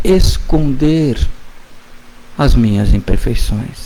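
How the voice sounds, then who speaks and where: A man speaks at a very slow pace with ordinary pitch variation. Noticeable background noise runs behind him. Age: 70s. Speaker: spiritist lecturer. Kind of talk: lecture.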